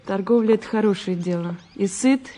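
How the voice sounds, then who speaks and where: A woman's voice: medium pitch, brisk, dark tone, slight background noise, close to an everyday voice. An actress playing a chatty, opinionated young woman witness in a naturalistic audio drama, talking colloquially and dismissively. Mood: scornful, opinionated. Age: young adult. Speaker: actor in an audio play. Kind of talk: naturalistic radio drama dialogue.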